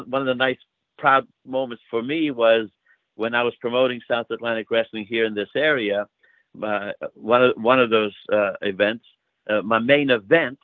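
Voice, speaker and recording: A man's voice: mid-range voice, dry recording. An older man with a Greek accent, a wrestling promoter, telling stories in a casual interview with lots of fillers. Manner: warm storytelling with frequent fillers. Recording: tinny phone line.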